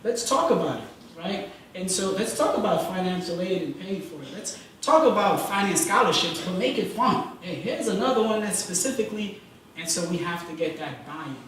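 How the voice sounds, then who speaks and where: A man's voice: high voice, normal speed, recorded from a distance, slight background noise. Man on a panel, echoey hall. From Jamaica. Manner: energetic, conversational, asks rhetorical questions. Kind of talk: panel discussion. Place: event hall.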